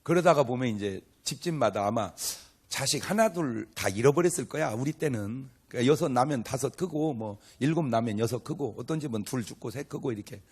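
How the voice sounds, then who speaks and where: Lively husky-voiced older preacher. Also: male voice, medium pitch, a little fast, few pauses. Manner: humorous, colloquial storytelling that acts out dialogue; asks the audience questions and banters with them. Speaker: pastor. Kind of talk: revival sermon before a live congregation.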